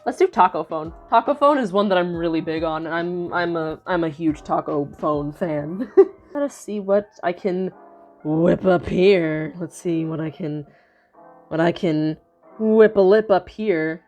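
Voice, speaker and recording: A woman's voice: lowish voice, a little slow, darkish tone, soft background music. Young woman, giggly, casual commentary, swears, restarts sentences, video creator. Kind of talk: casual commentary while reading AI fanfiction aloud.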